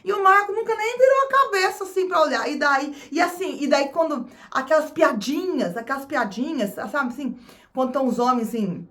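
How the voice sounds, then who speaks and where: A woman's voice: high voice, lively intonation, brisk, a bit bright. A woman from Brazil with a Brazilian Portuguese accent, chatting casually to her viewers as a vlogger, often repeating her phrases. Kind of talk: casual chat to camera.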